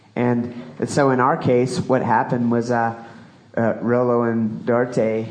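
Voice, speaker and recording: This is a man with a medium-pitched voice. Noticeable background noise sits behind him. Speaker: climber and writer. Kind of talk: live podcast panel chat. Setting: stage with audience.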